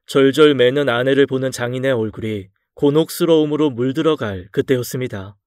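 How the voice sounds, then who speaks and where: A man narrating a dramatized true story in a calm, confessional first-person way. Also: medium pitch, a little fast, dry recording, studio quality.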